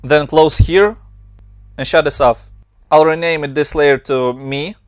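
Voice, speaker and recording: A young man from Ukraine with a Ukrainian accent, calmly talking through a software tutorial step by step. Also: a little high, a little slow, smooth, dry recording. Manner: steady step-by-step instructions in non-native English. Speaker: motion design tutor. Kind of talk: screen-recorded software tutorial.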